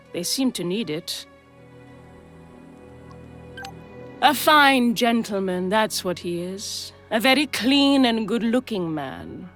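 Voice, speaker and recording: A worldly brothel madam for a video game. She is mid-pitched, wry and theatrical, coaxing yet protective, with soft music underneath. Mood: wistful, exasperated. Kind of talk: scripted game dialogue.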